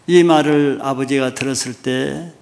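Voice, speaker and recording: A man's voice: medium pitch, fairly even intonation, moderate pace, vocal fry, a little mellow. A man preaching a sermon, retelling a parable and asking his listeners questions as he goes. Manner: storytelling, asks the listeners questions. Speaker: pastor.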